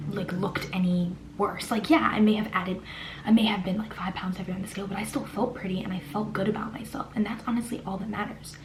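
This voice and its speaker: Whispering young woman telling a story. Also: medium pitch. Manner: whispering, chatty, lots of "like" fillers. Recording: echoey room with faint hiss.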